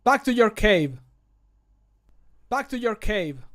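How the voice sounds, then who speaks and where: Man acting a frightened pleading adventurer, high-pitched. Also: very animated, takes it slowly, fairly bright tone, heavily acted. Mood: dramatic. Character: scared man pleading with bears, game follower. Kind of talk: game mod voice acting.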